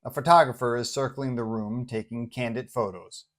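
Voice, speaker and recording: Medium-pitched male superhero storyteller. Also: fairly even intonation, moderate pace. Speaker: storyteller and host. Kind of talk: scripted superhero story narration.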